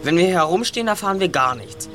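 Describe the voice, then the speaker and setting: A bossy, clever teenage boy detective in a radio play. He speaks articulately and decisively, used to leading, with music clearly behind him. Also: sits high, lively intonation, fast talker. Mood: decisive, impatient. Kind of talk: German audio drama acting.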